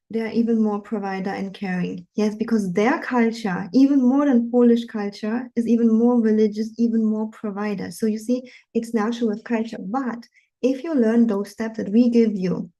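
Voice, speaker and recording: Mellow-voiced woman coaching with earnest energy. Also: fairly high pitch, poor audio. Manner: earnest, animated, frequent fillers. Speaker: dating coach. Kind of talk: live webinar talk.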